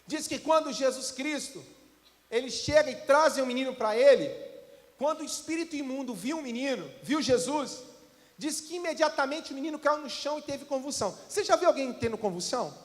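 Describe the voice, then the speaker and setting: High-voiced pastor preaching. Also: male voice, animated, brisk, in a large hall. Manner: emphatic, preaching with rhetorical questions. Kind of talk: sermon. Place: church hall.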